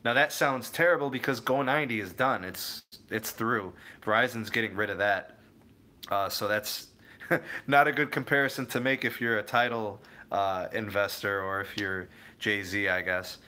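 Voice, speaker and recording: Young male livestream host, slightly low, bright tone; relaxed, meandering, talks straight to his chat. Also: moderate pace, slight background noise. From Cleveland area, USA. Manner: rambling, self-correcting, answers viewers by name. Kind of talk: casual live chat reading viewer comments.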